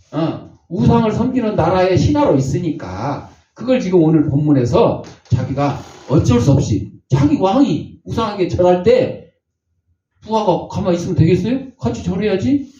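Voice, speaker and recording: A man's voice: high voice, sing-song, normal speed, dark tone. An older man preaching a sermon as pastor, telling folksy stories and acting out the voices of the people in them. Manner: folksy storytelling, acts out voices. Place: church sanctuary. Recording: echoey, distant, dull church recording.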